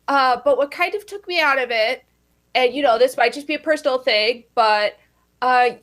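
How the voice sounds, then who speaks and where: A woman's voice: sits high, fairly bright tone. A woman improvising a judge over a video call, rambling and hedging with many filler phrases. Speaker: improv performer playing a judge.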